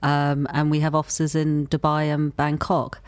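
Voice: medium pitch, monotone, a little slow, no room sound. Hesitant architect guest full of fillers. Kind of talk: interview answer.

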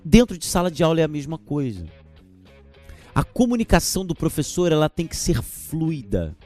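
A man hosting a podcast on teaching, lively and gesturing as he talks. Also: fairly high pitch, moderate pace, soft background music. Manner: animated, gesturing while speaking, mocking teachers' verbal tics. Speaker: podcast host and teacher trainer. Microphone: podcast microphone.

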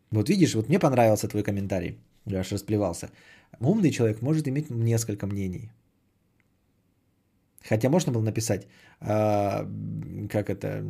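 A man's voice: mid-range voice, warm tone, breathy edge. A man hosting a podcast, chatting casually and sardonically as he answers audience messages, often swearing and repeating phrases. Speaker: podcast host.

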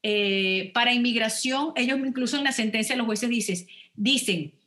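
A woman with a somewhat high, sharp-toned voice speaks at normal speed as an immigration lawyer on a radio call-in advice show. She lays out the rules and frequently stops to ask "ok?".

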